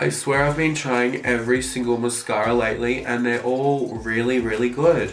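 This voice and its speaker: With an Australian accent, a man speaks amid noticeable background noise and audible room echo. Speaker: beauty vlogger. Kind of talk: makeup tutorial chat. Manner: fast; louder than normal.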